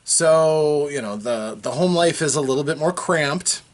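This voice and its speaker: A man chats casually with his audience from a home basement, wandering through his thoughts with lots of fillers and restarts. His pitch rises and falls in a lively way, and the voice still carries some roughness from a cold he is getting over. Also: measured pace. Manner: rambling, hesitant, with frequent fillers and restarts. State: recovering from a cold, slightly rough voice. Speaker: vlogger. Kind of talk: casual chat to camera.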